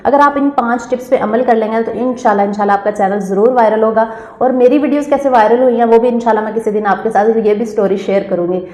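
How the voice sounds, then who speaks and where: A woman vlogger with a slightly hoarse throat, chatting casually to viewers in a small store room and repeating her points. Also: on the high side, quick pace, a little mellow. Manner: chatty, repeats phrases, addresses viewers directly. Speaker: vlogger giving channel tips. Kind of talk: casual vlog talk.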